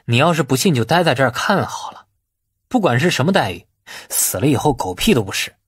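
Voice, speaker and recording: A man voicing a shrewd, self-possessed young man in an audiobook, measured and dryly sardonic. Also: medium pitch, very animated, breathy edge. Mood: irritated.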